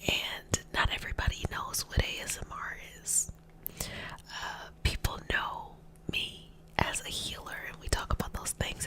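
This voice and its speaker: Whispering woman, ASMR healer. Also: rough recording. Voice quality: breathy unvoiced whisper. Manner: gentle, encouraging, affirming. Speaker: ASMR host and energy healer. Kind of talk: whispered ASMR motivational talk.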